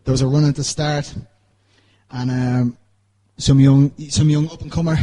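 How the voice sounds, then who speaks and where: A man chatting as a podcast guest, telling a wrestling anecdote in a halting, teasing way. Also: medium pitch, fairly even intonation, dark tone.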